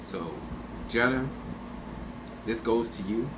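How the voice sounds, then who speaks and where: A man's voice: mid-range voice, slow pace, noisy background. A man speaking as a radio host in a casual, affectionate, conversational way, as in a heartfelt tribute. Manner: conversational, affectionate, often acting out remembered quotes. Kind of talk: heartfelt spoken tribute to a late friend, casual radio talk.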